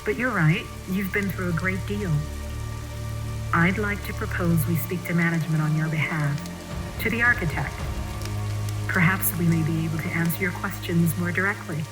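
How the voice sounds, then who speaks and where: A poised manor official played by a woman in an audio drama, with a lowish voice. She is formal, diplomatic and controlled as she placates, with faint music behind her. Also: moderate pace, natural voice, poor audio. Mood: placating. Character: poised, placating female agent of mysterious prison manor.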